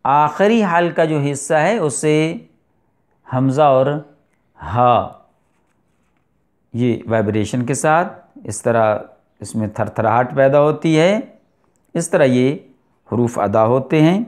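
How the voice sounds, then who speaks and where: A middle-aged man teaching a recitation lesson, explaining and slowly drawing out letters and verses. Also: mid-range voice, darkish tone. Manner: slow deliberate articulation of letters, drawn-out recitation. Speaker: tajweed teacher.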